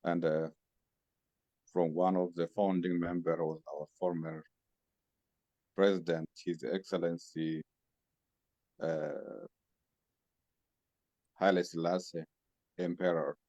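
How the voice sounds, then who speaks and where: A man from Ethiopia with an Ethiopian accent, answering in a measured way as a radio guest. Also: low voice, flat delivery, warm tone, dry recording. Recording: dull, lo-fi sound.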